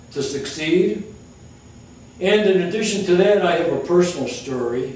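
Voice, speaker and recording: Fairly slow speech in an American accent, with ordinary pitch variation. There's noticeable background noise and audible room echo. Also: man. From Chicago, Illinois. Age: 70s. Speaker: author and trial lawyer. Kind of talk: TV interview.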